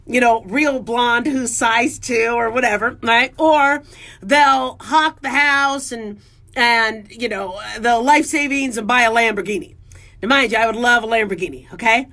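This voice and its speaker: Bright, high-voiced woman radio host. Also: a little slow. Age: 40s. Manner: chatty, self-mocking, lively and joking. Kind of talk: casual talk radio monologue.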